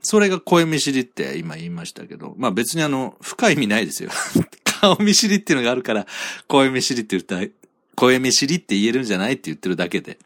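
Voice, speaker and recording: A man's voice: medium pitch, sing-song, fast, creaky, fairly bright tone, no room sound, studio quality. A man hosting his own podcast, reading out listener comments in a rambling, self-deprecating way with frequent chuckles. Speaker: podcast host.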